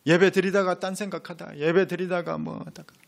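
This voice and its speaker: A male pastor preaching a sermon, animated, acting out prayers in quoted voices. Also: sits high, a little fast, gravelly.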